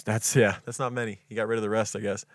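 A man's voice: fairly low pitch, flat delivery, quick pace, no room sound, clean studio sound. A man co-hosting a true crime podcast, reading history from notes in a casual, offhand way and tripping over foreign names. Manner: reads dates and quotes, stumbles on foreign names, swears casually.

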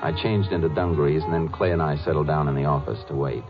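A stern, shrewd lawman in an American radio western of the 1950s. His voice sits very low and stays dry and unruffled. The old recording sounds dull. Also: quick pace, loud music behind the voice. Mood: measured narrating. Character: stern, shrewd Texas Ranger, calm and dogged. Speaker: lead investigator and narrator. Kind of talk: 1950s radio drama acting.

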